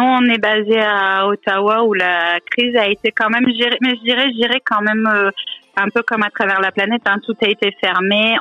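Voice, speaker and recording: Une femme d'une trentaine d'années, originaire du nord de la France, avec un léger accent canadien, qui parle en invitée d'un podcast sur un ton bavard, ponctué d'hésitations. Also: female voice, mid-range voice, dry recording, dull audio. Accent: French with a slight Canadian tinge. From northern France. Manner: chatty, many hesitations. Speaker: guest. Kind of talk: remote podcast interview.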